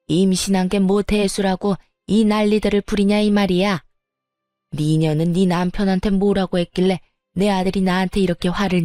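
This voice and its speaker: A woman's voice: lowish voice, warm tone, no room sound, studio quality, natural voice. A woman voicing a scheming, spiteful older mother-in-law who sneers and scolds, while narrating a story. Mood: scolding. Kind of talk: storytelling narration with acted dialogue.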